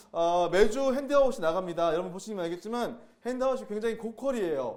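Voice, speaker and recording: A man speaks at a high pitch with very wide pitch swings and an animated tone, at a fairly quick pace. The room echo is audible. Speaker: pastor teaching a Bible class. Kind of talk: lecture. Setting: classroom with live audience. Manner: fast.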